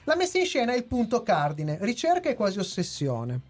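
A man's voice: high-pitched, wildly swooping pitch, fairly quick, soft background music. A man co-hosting a podcast, reading a prepared review with some hesitations and chatting with co-hosts. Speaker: podcast host. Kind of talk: casual chat and read review.

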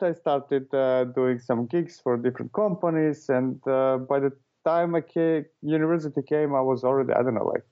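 A man's voice: medium pitch, warm tone, lo-fi sound. A man from Serbia answering interview questions casually, with hesitant talk full of fillers and restarts. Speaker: guest, author and consultant.

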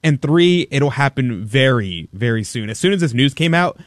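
Male talk radio host, mid pitch, dry studio sound, emphatic and indignant. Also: expressive, moderate pace, no room sound. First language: English. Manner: emphatic, indignant, rhetorical questions. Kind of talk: opinionated talk radio commentary.

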